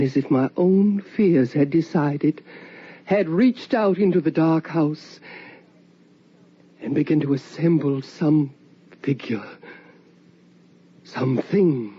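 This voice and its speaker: Ghostly middle-aged mother, radio play: very slow, halting, sorrowful, on a dull, noisy old recording. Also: low voice, husky, exaggerated voice. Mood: hushed dread. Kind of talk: radio drama monologue.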